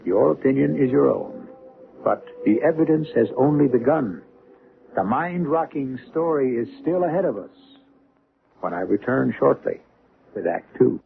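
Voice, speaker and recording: A man narrating an old-time radio mystery drama as its host, in a theatrical, deliberate way. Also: mid-range voice, animated, gravelly, a little hiss or hum. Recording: muffled, lo-fi old radio broadcast. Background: music.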